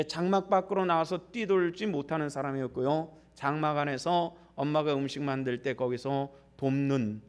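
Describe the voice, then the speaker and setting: Older pastor preaching in a higher voice. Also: male voice. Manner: storytelling, asks the congregation questions and answers them. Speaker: retired senior pastor. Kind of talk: sermon. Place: church.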